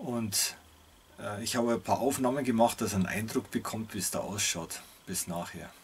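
A man's pitch varies in an ordinary way as light background noise runs underneath. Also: moderate pace. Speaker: vlogger. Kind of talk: casual vlog chat. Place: home room. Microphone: webcam.

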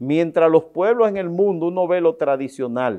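A man with a Dominican accent speaks at a fairly high pitch. His pace is fairly slow, and the background is quiet. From Dominican Republic. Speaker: history teacher. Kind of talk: interview. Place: studio. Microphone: lapel.

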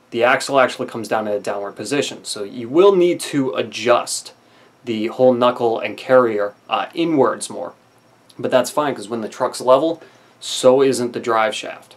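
Speaking at a moderate pace, a man shows big swings in loudness and ordinary pitch variation. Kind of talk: casual vlog chat. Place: workshop. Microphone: webcam.

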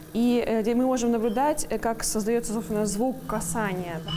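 Against light background noise, a woman's fairly high voice moves with ordinary pitch variation. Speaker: exhibition guide or curator. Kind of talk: guided tour. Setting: art exhibition hall. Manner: hesitant, many filler sounds. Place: hall. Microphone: lapel.

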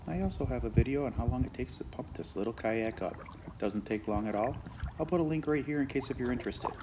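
Noticeable background noise surrounds a man speaking at a very fast pace. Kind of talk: casual vlog chat. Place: waterside. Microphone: phone near.

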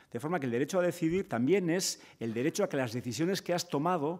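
A man at a very fast pace with lively intonation. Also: quiet background. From Basque Country. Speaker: activist movement board member; panelist. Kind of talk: panel discussion. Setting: stage with live audience. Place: hall. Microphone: podium.

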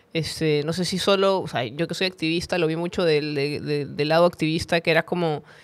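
With hardly any pauses, a woman speaks at a fairly quick pace in a very deep, low pitch with fairly even intonation and a dry sound with no echo. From Peru. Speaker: podcast host and comedian; podcast host, comedian. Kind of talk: casual interview. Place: studio. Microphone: studio mic.

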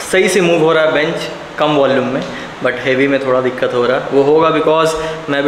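Noticeable background noise sits under the recording. A man talks with fairly even intonation. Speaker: powerlifter vlogger. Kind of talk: casual vlog chat. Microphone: phone near.

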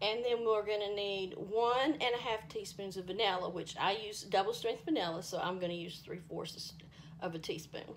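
Light background noise sits under a voice with a Southern US accent. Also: woman. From US South. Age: 50s. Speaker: home baking youtuber. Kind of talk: cooking tutorial. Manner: casual and chatty. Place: kitchen. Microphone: phone near.

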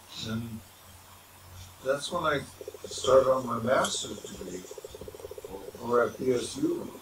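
Over noticeable background noise, a man with an American accent talks at a very slow pace with long, frequent pauses, a medium pitch and ordinary pitch variation. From Minnesota. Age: 70s. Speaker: retired educator. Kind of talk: oral history talk. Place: meeting room. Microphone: camera far.

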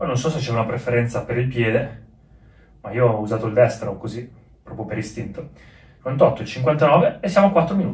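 With lively intonation and a moderate pace, a man talks through long, frequent pauses in a room with audible echo. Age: 20s. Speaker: wellness YouTuber; wellness youtuber. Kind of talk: tutorial.

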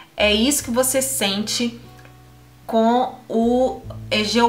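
A woman's voice with fairly even intonation, faint music playing behind it. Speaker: beauty reviewer. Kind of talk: casual product review. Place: home room. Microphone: phone near.

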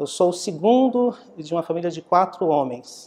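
Speaking fairly slowly, the man uses a fairly high pitch. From Goiás, Brazil (Firminópolis); Goiás, Brazil. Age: 50s. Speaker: labor court judge. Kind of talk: oral history interview. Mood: calm, reflective. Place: office. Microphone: lapel.

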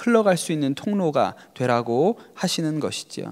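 Against a quiet background, the male speaker keeps a moderate pace. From South Korea. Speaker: pastor. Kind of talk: sermon. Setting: church. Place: church. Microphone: handheld.

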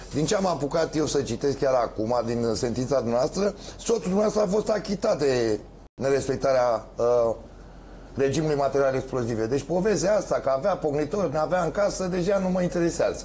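Over light background noise, a man with a fairly high pitch speaks at a fairly quick pace with lively intonation and very even loudness. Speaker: historian and theologian; studio panelist or commentator. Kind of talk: TV panel debate. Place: studio. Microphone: lapel.

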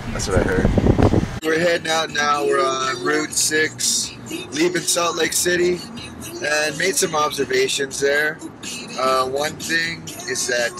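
Very slow speech with music in the background. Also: man, ordinary pitch variation, dry sound with no echo. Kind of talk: casual vlog chat. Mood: joking, amused. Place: car. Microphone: phone near.

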